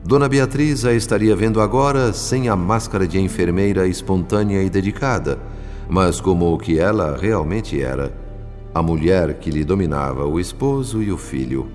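Radio drama narrator, played by a man: Brazilian, deep, solemn and formal, long reverb over faint music. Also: moderate pace, darkish tone, lightly acted. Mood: solemn, reflective. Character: earnest, reflective male spirit narrator.

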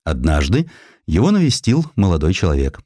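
A low-pitched male narrator reads a historical sketch. His delivery is theatrical and very animated, as if telling a tale straight to the listener. The recording is dry and close. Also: brisk, no echo. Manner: theatrical storytelling, addresses the listener. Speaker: audiobook narrator.

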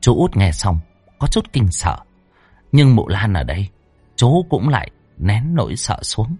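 Husky man narrating a dramatic horror story. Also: fairly low pitch, big pitch swings, a little slow, a little mellow, no echo, faint music behind.

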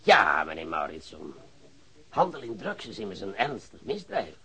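An actor playing a volatile police investigator in a radio drama, husky, with oily, theatrical politeness that can flare up. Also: male voice, fairly low pitch, wildly swooping pitch, normal speed, pushed and bright, heavily acted. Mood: smug, menacing. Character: wheedling, volatile male police investigator pressing an informant.

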